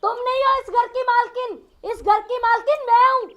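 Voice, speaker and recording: Performer doing a cartoon old mother-in-law, very high-pitched, bright, nagging, quarrelsome. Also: fairly even intonation, moderate pace, muffled recording. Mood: scolding.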